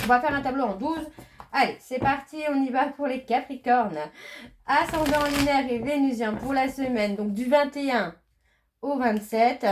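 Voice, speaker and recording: A woman with a slightly high voice gives a casual card reading. She talks in a chatty, hesitant way, full of fillers and restarts. She slows down when she reads the card messages aloud. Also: noisy background. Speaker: medium doing a tarot reading.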